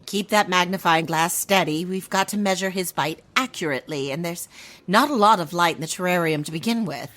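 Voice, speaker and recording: A woman's voice: lowish voice, a little fast, fairly bright tone, close to an everyday voice. An actress playing a precise, easily flustered female scientist in an audio drama.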